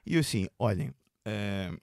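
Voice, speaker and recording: A man's voice: fairly low pitch, expressive, measured pace, vocal fry, darkish tone, no room sound, studio quality. A man with a European Portuguese accent who stutters. He repeats and blocks on words while animatedly telling stories about his stand-up shows in an interview. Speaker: stand-up comedian guest. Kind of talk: casual storytelling in an interview.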